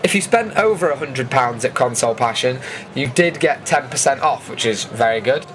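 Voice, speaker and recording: A man's voice: mid-range voice, expressive, normal speed, a bit bright, a little hiss or hum. A man with a British accent giving a chatty, informal voice-over commentary as a vlogger recapping an event. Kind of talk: casual voice-over commentary on footage.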